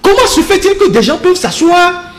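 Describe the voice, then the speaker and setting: A man's voice: very high voice, very animated, brisk. A man speaking as a political commentator in a heated panel debate, indignant and insistent, repeating words as he builds each point. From Togo.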